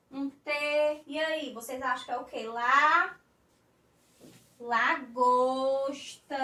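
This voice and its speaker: A Brazilian woman teaching a recorded class for young children, in slow, coaxing, sing-song teacher talk. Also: high voice, pushed and bright, roomy sound, recorded from a distance. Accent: Brazilian Portuguese.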